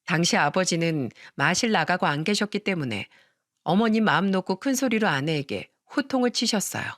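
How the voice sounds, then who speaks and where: Calm confessional story narrator. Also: mid-range voice, normal speed, dry recording, studio quality.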